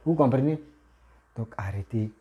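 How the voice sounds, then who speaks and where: A man's voice: medium pitch, animated, normal speed, husky, narrow, tinny audio. A man who has a cold, giving a casual, insistent political rant that scolds his listeners. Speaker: political commentator.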